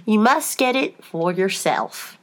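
A woman voicing a brisk, scornful female sheep who keeps a shop, speaking in a curt, bossy, matter-of-fact way. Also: medium pitch, expressive.

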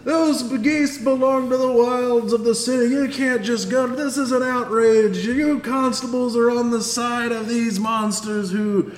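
A man's voice: fairly even intonation, measured pace, hardly any pauses. A man voicing an indignant male pamphleteer who rants in defense of the geese, in an echoey room. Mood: outraged. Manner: shrill outraged ranting. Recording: echoey room with faint ambience.

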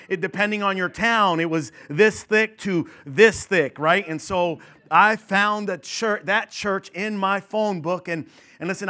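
A man in his fifties from New York, a pastor giving a conversational sermon to his congregation with chatty asides and fillers. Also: high voice. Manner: conversational and warm-humored with the congregation, many fillers.

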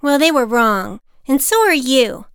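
A woman's voice: high voice, expressive, a little slow, fairly bright tone, smooth, dry recording, clean studio sound, pitched above the performer's own voice, exaggerated voice. A woman voicing a defiant young boy who argues back at an adult. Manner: indignant, argumentative.

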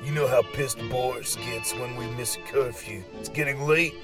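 A man's voice: medium pitch, normal speed, music in the background, close to an everyday voice. A man playing an exasperated, cautious friend in an audio drama, wearily scolding with casual swearing. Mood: weary, pleading. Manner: weary, nagging, casual swearing. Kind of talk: audio fiction acting.

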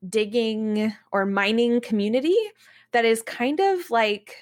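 A woman's voice: fairly high pitch, animated, measured pace. Casual woman chatting on a games podcast. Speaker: podcast co-host and games writer.

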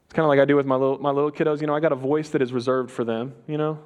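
A young man preaching a sermon in a relaxed, conversational way, with quick asides and slang. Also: mid-range voice, dull audio. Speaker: pastor.

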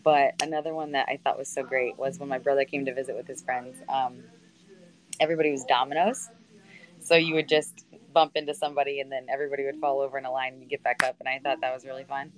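Deep-voiced woman reporter on a call. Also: little pitch movement, fast, low-quality recording. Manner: conversational, lots of fillers and restarts. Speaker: sideline reporter. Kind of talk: answering student questions on a call. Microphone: video call.

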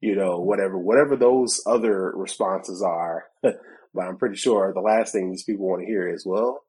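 The co-host of a tech podcast talks at normal speed in a low-pitched, husky, slightly mellow voice. In casual chat, somewhat congested with a cold, he laughs frequently and acts out both sides of conversations.

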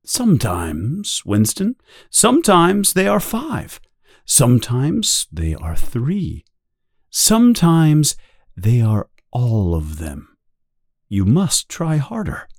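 A man voicing a calm, patient male interrogator who speaks softly and slowly, with quiet menace. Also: mid-range voice, no echo, clean studio sound, full character voice. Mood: gently menacing. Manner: soft, slow and controlled. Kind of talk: audiobook character voice.

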